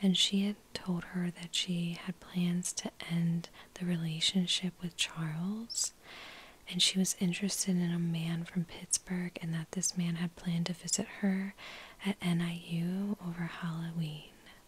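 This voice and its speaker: The speaker talks at a fairly slow pace. The voice is soft-spoken. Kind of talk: true crime narration.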